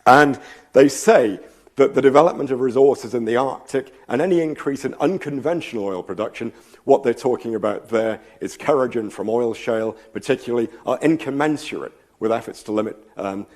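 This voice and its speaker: Male lecturer, slight cold, voice a bit worn, thoughtful and rambling, mid pitch. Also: fairly quick, a little mellow. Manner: thoughtful, rambling, frequent ums and asides. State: slight cold, losing his voice. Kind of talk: public science lecture. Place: lecture hall.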